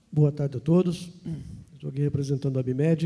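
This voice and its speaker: A man's medium-pitched voice carries a dark, mellow tone, somewhat breathy, with fairly even intonation. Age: 60s. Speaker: industry association executive. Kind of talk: panel talk. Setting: stage with audience.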